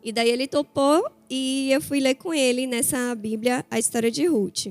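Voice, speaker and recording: A woman's voice: high voice, normal speed, soft background music. A woman in her thirties from Bahia with a Bahian accent, preaching a chatty, story-filled sermon to a church. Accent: Bahia Portuguese. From Bahia, Brazil. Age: 30s. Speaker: guest preacher.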